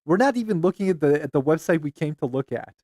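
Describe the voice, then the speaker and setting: A man's voice: on the high side, expressive, fast talker, a little mellow, no room sound, studio quality. A man hosting a casual stream chat, often distracted and muttering to himself while he fixes his screen. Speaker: streamer host.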